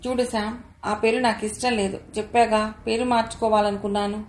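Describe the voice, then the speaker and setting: A woman reading the part of a young married man who calmly confides about his wife. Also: on the high side, brisk, close to an everyday voice. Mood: reflective. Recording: roomy echo, faint background noise.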